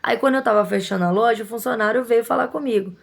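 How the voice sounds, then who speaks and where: A woman's voice: a little high, fast talker, gravelly. A woman, a shop owner casually telling viewers an indignant story, acting out what others said. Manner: indignant, animated retelling with quoted voices.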